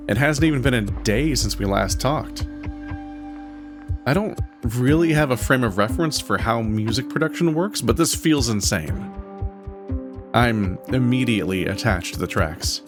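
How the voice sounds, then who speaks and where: Low-voiced male narrator over guitar music. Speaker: video creator, narrator. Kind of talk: scripted first-person narration.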